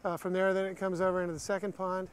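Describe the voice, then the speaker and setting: High-voiced American man giving a tour. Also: monotone, very fast, slight background noise. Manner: practical, explanatory. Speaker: brewery staff giving a tour. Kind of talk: unscripted walk-through explanation. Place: on a walking tour around an industrial brewery, much of it outdoors.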